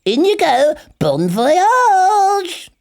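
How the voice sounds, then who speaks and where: A man voicing a polite, brisk male White Rabbit in an animated fairy tale reading. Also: very high voice, voice pushed up, exaggerated voice. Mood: courteous, brisk.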